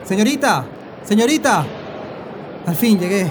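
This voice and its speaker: An indignant female passenger played by an actress protests in a high voice that swings widely. It is an acted radio-spot dialogue over noisy ambience. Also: sing-song, a little fast. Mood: hurried. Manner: exclamatory, protesting. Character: indignant airline passenger demanding her rights.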